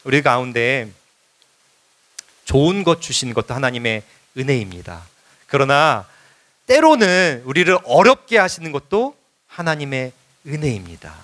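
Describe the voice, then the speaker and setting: A man preaching a Sunday sermon as a visiting missionary, telling his story in a conversational way and rising to loud exhortation. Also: big pitch swings, normal speed. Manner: builds to loud, high-pitched exhortation in the close. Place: church sanctuary.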